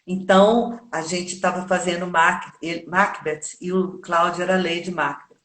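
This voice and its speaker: A woman who coaches actors' voices for theatre, talking reflectively in a casual interview and often pausing on tag questions. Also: fairly low pitch, fairly even intonation, a bit bright, echoey room. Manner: reflective, thinks aloud with frequent tag questions. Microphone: video call.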